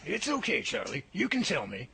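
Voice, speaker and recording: Folksy professor , played by a man, easygoing Bigfoot researcher, gravelly and high-pitched, radio drama with music under. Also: huge pitch swings, moderate pace, bright, forceful tone, slight background noise, heavily acted. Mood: folksy, reassuring.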